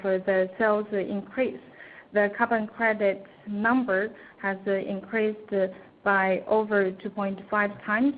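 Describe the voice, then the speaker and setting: A woman interpreting on an earnings call, speaking formally and haltingly, phrase by phrase. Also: medium pitch. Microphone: conference call line. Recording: tinny, noisy conference phone line.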